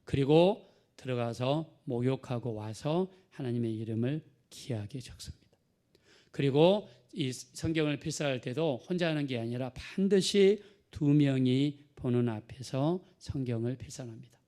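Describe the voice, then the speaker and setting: A man's voice: mid-range voice, measured pace, warm tone. A middle-aged male pastor preaching a sermon in a conversational storytelling manner, acting out the people in his story.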